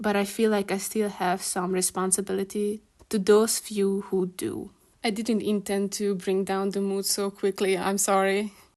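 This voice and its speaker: A woman's monotone, flat delivery at a moderate pace, medium in pitch. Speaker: artist vlogger. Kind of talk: scripted voiceover.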